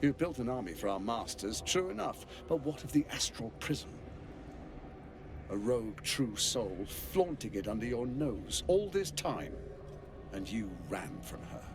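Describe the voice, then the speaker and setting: An actor playing a suave, sardonic scheming tyrant in a video game, with polished, goading delivery. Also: male voice, mid-range voice, very animated, unhurried. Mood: mocking. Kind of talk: video game villain acting. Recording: loud background noise.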